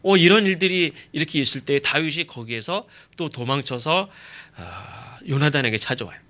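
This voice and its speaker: A male pastor preaching an expository sermon in a bright, forceful voice. His pitch sits somewhat high, and he keeps turning to the congregation with rhetorical questions. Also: lively intonation, normal speed. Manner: asks the congregation rhetorical questions, frequent fillers.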